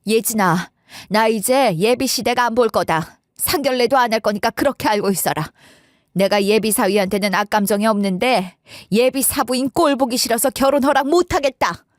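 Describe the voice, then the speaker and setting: A woman voicing a hot-tempered middle-aged stepmother who shouts and scolds in a story. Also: fairly high pitch, normal speed, no echo, studio quality, lightly acted. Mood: cold, angry.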